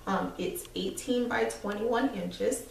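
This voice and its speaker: A woman in her thirties, slightly hoarse, giving a relaxed, chatty sewing tutorial while working at an ironing board in a small room. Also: mid-range voice, slow, slight background noise. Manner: relaxed, chatty step-by-step explaining with fillers. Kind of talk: casual craft tutorial. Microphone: far camera. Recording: echoey room, mic far off.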